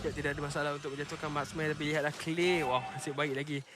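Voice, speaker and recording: Esports shoutcaster: Malaysian man, high voice, rapid play-by-play, excitable fighting game announcer delivery. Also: music in the background. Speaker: esports match commentator. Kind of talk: live play-by-play esports commentary.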